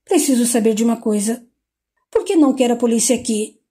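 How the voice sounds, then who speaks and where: A woman with a Brazilian Portuguese accent reading the lines of a calm, firm male psychologist in a measured, steady way. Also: a little high, natural voice.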